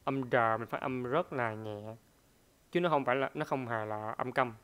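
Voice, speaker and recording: Man, pronunciation teacher, smooth resonant voice, hesitant with fillers, repeats example words. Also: mid-range voice, moderate pace, a bit bright. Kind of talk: pronunciation lesson.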